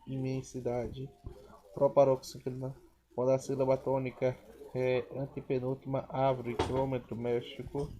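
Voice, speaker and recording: A man teaching a grammar lesson, reading rules and word lists slowly and carefully, correcting himself now and then. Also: mid-range voice, warm tone, poor audio.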